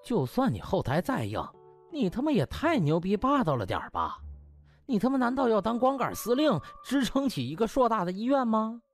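A man's voice: high voice, huge pitch swings, moderate pace, pitched above the performer's own voice, heavily acted. Man doing a crude panicky doctor grumbling and swearing, comic audiobook, really swoopy voice, music behind. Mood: indignant relief.

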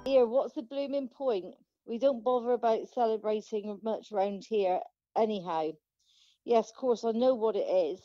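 A woman's voice: a little high, moderate pace, mellow, no room sound, faint music behind, lightly acted. A woman playing a blunt, sceptical local in a radio drama, dismissive and colloquial. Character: brusque, sceptical working-class local woman. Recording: dull muffled phone sound.

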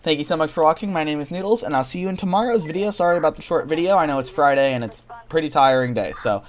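Fast-talking man hosting a casual tutorial. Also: a little high. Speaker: tutorial host. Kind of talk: casual screen-recorded software tutorial. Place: indoors at a computer, voice-over.

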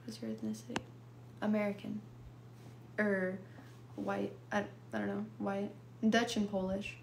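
A woman's voice: mid-range voice, flat delivery, unhurried, creaky, reverberant, a little hiss or hum. A young woman from California chatting casually and sleepily with viewers on a phone livestream. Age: young adult. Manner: casual, drowsy, answers viewers in short bits. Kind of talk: live stream chat reading comments. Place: small room indoors. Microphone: phone held close to face.

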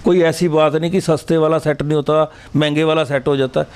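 A middle-aged man, a dentist, answers interview questions with earnest, plain-spoken advice and homely examples. His voice sits a little high and comes through smooth and clear. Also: steady tone, fairly quick, darkish tone. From Punjab, India.

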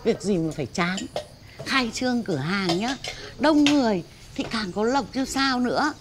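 A woman's voice: a little high, lively intonation, normal speed, background noise, lightly acted. An actress playing a blunt, earthy old village woman who teases the young people around her in a TV drama. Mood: cheerful. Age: older. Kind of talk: TV drama acting.

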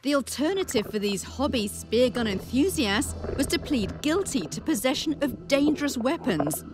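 A woman in her thirties with a New Zealand accent, narrating a consumer news story in a lively, wry and emphatic manner. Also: high-pitched, normal speed, music in the background. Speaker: consumer affairs reporter.

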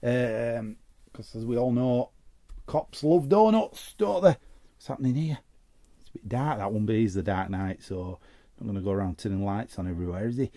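A man's voice: on the low side, animated, normal speed, warm tone. A man giving casual, chatty unboxing commentary as host, muttering and repeating short phrases to himself. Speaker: host of a trading card opening show.

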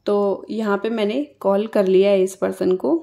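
Female tutorial host, Indian accent, mid-pitched, conversational and instructional, walking viewers through steps casually. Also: level tone, normal speed, creaky, warm tone. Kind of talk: casual step-by-step phone tutorial.

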